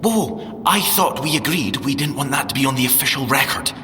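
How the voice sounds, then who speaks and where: A man's voice: medium pitch, sing-song, a little fast, bright, forceful tone, in a large hall, a little hiss or hum. An actor with a Scottish accent playing a playful, teasing scientist agent in an audio drama, theatrical in his delivery. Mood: chatty, earnest.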